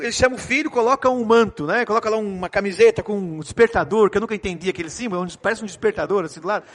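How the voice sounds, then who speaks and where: High-voiced Brazilian pastor, joking sermon. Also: male voice. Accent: Brazilian Portuguese. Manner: joking, animated storytelling.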